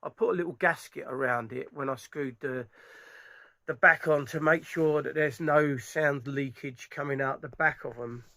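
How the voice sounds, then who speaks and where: A middle-aged man giving rambling, enthusiastic impressions of loudspeakers from a dark room at home. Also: medium pitch, steady tone, moderate pace, no room sound. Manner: rambling, enthusiastic, many restarts. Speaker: audio hobbyist vlogger. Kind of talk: casual product impressions.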